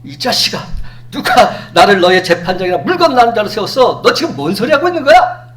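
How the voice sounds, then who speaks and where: A man voicing an angry rabbi who scolds a greedy man, brusque and sharp. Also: high voice, very animated, brisk, soft background music, pitched above the performer's own voice. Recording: distant mic with faint hum.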